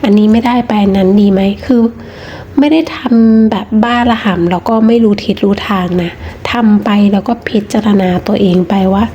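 A woman's voice: mid-range voice, fairly even intonation, moderate pace, dark tone, highs cut off, slight background noise. A woman reading tarot cards in a chatty, casual monologue, emphatic and repeating herself with many fillers. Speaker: tarot card reader.

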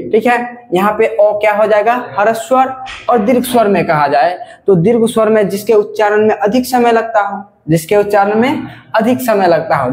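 In a classroom grammar lesson, a male teacher slowly stretches out example sounds and keeps repeating "ठीक है." His voice is high-pitched, and the sound has a roomy quality.

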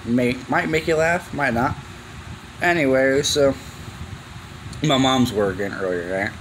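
A young man vlogging in a cluttered garage tells a casual, rambling story in slang, playing out the exchanges as he recounts them. His mid-range voice has a fairly bright tone and a measured pace. The recording is rough, with a little hiss or hum.

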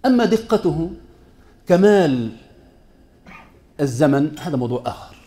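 Male, Quran recitation teacher, rapid delivery, warm dark tone, emphatic classroom lecture. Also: mid-range voice, animated. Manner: emphatic, with rhetorical questions to students; mixes formal Arabic with colloquial asides.

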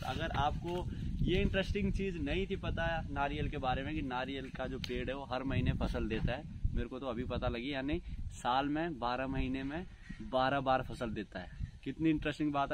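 A man vlogging outdoors by the sea and in a coconut grove, chatting excitedly to his viewers in a casual way and calling them brother. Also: medium pitch, moderate pace. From Indian hill region. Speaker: travel vlogger. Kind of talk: casual vlog narration to camera. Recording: noisy outdoor camera audio.

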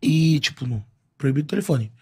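A man tells a story as a podcast guest, his voice gravelly with a husky edge. He throws in slang and acts out what others said to him, pitching up for their lines. It is relaxed, casual talk among friends. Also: fast talker.

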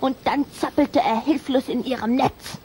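A woman's voice: high voice, fairly even intonation, normal speed, dark tone, a little hiss or hum, close to an everyday voice. A woman playing a feisty, jealous little vampire girl in a children's radio play, pert and emphatic. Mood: indignant, jealous.

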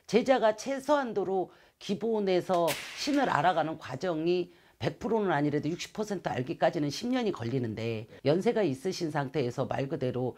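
In an interview, a middle-aged woman who is a shaman fortune teller gives earnest, explanatory answers, gesturing with her hands. She's in a shrine room with calligraphy screens and wears a clip-on mic. Her lowish, slightly mellow voice is animated, at a moderate pace with few pauses.

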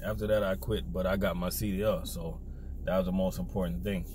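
Laid-back trucker. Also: male voice, low voice, level tone, brisk. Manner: laid-back, conversational, lots of "man" and "you know". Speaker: truck driver vlogger. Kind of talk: casual advice vlog. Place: parked car at night. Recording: distant mic with loud road noise.

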